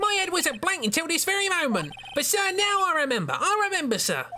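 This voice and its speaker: A put-on, whiny character voice at an extremely high pitch races along at a very fast pace over noticeable background noise. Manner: eager, subservient.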